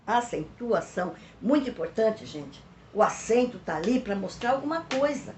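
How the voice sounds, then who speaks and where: Brief: female teacher with a Brazilian São Paulo accent, fairly high voice, patient step-by-step explaining, roomy echoey home recording with faint hiss. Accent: Brazilian Portuguese, São Paulo. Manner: explains slowly, repeats key words and checks in with "ok?". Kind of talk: recorded lesson for pupils.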